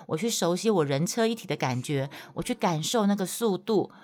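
Animated Taiwanese-accented woman storyteller. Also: brisk. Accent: Taiwanese Mandarin. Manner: animated, emphatic, voice jumps high when worked up. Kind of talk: casual storytelling to listeners.

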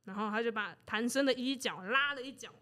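A woman's voice: a little high, brisk. A woman co-hosting a casual podcast, retelling an old story with laughs and playful acted-out lines. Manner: lively, acts out characters' lines with laughs. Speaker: podcast co-host.

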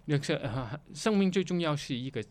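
Man speaking halting. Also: fairly high pitch, lively intonation, darkish tone. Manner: halting, repetitive, mixing English words into Mandarin. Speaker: guest. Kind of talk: casual conversational interview.

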